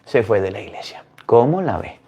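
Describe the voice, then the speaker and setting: A man, a Catholic priest, preaching to viewers in an animated way, firing rhetorical questions. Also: fairly low pitch, normal speed, slightly rough, lo-fi sound.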